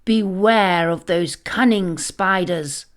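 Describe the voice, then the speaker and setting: A woman voicing a stern, commanding caterpillar matron in a children's storybook, speaking deliberately. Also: fairly low pitch.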